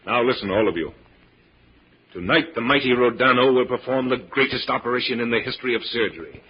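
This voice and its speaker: An actor playing a grandiose, menacing mad professor in an old-time radio drama, theatrical and commanding. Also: male voice, medium pitch, brisk, muffled recording, slight background noise, close to an everyday voice. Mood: commanding, gloating.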